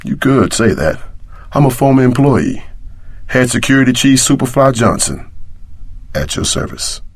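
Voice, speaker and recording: Brash former security chief for an action game: rough-edged, animated delivery, swaggering slang, out for payback. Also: male voice, medium pitch, normal speed, dry recording, clean studio sound, exaggerated voice. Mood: grim, vengeful. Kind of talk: video game voice acting.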